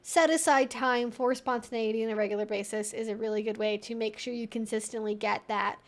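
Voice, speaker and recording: A woman hosting a live Q&A, talking casually and explaining things in a conversational, animated way, often acting out imagined thoughts. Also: fairly high pitch, a little fast. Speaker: host of a weekly live Q&A stream. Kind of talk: casual educational chat, answering viewers.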